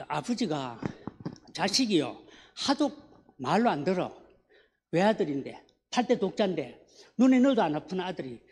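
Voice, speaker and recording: A man with a Gyeongsang accent preaching a sermon as a pastor in a church, often asking the congregation questions. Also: high voice. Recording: echoey church hall.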